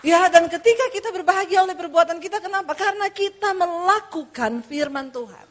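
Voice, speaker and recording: A woman pastor preaching a sermon in a lively, humorous storytelling manner, calling the congregation to say amen. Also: extremely high pitch, brisk.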